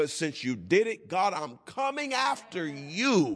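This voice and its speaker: Against a quiet background, a man's voice swings very widely in pitch. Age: 40s. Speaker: pastor. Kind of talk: bible study teaching. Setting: church livestream. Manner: halting.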